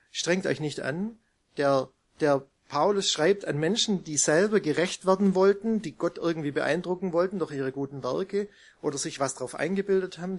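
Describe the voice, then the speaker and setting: A man's voice: a little high, creaky. A man preaching a sermon to his congregation in a conversational way, often putting questions to his listeners.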